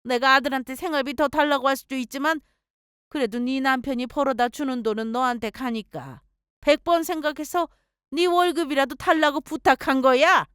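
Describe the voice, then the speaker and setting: A woman's voice: on the high side, clear, resonant tone, dry recording, lightly acted. A woman voicing a domineering middle-aged mother-in-law who scolds imperiously, in a dry, close storytelling recording.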